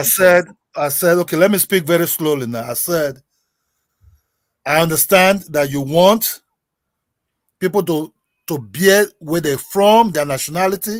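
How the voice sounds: With a strong African accent, a man speaks at a fairly high pitch and a fairly slow pace, leaving long, frequent pauses on a very clean recording with a silent background.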